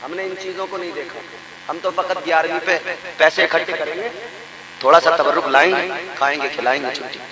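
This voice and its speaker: Fiery high-voiced preacher, echoing crowd hall. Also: male voice, fairly even intonation, a little fast. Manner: impassioned oratory with repeated refrains, voice climbing to high declaiming peaks. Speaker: Islamic preacher. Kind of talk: devotional sermon. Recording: echoey live sound with audience.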